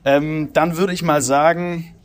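A man's voice: fairly high pitch, fairly even intonation, measured pace. Man, podcast co-host, rambling casual storyteller, filler-heavy. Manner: rambling, many fillers, laughs easily. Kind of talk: casual chat.

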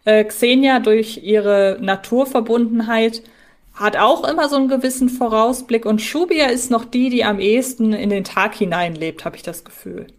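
A woman's voice: on the high side, normal speed. A woman co-hosting a casual podcast, wordy and often rephrasing herself with playfully formal phrases. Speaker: podcast co-host.

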